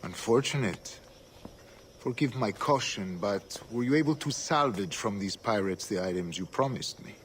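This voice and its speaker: An actor playing a scheming older Templar governor, measured and solemn, often dropping to a hush. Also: male voice, fairly low pitch, lively intonation, a little hiss or hum, close to an everyday voice. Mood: stern. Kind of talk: video game cutscene acting. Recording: game audio over music.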